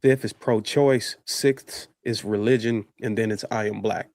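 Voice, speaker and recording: A man on a podcast panel calmly laying out his view, listing points one by one. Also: lowish voice, unhurried, no echo, studio quality. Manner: calm, methodical, listing points in order. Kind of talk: panel discussion.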